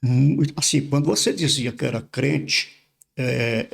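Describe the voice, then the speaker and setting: Gravelly older pastor. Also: male voice, mid-range voice. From Brazil. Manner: halting, repeats words while recalling. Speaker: pastor, podcast guest. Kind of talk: casual interview storytelling.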